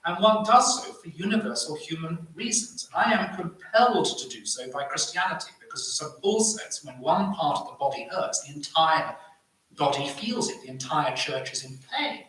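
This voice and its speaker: A man speaking as a panelist, arguing a point in halting phrases with repeated words. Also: a little high, lively intonation, a bit bright. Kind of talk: impassioned debate argument. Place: live panel event in an echoey room. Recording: very echoey room, distant microphone.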